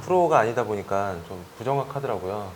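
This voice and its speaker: The speech comes at a very fast pace with lively intonation. Audible room echo surrounds it. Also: man. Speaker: music label association executive, show host. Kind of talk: talk show hosting.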